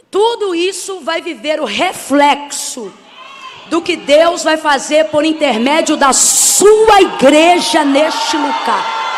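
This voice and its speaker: The speech comes at a very slow pace with lively intonation. Noticeable background noise runs underneath. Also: woman, high pitch for a woman. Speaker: pastor. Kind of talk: sermon.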